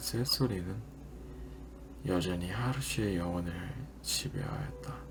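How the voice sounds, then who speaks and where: A man's soothing voice at a very slow pace, with very wide pitch swings. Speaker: audiobook reader, bedtime reading channel host. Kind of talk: literary fiction reading. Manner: slow, soft-spoken, soothing.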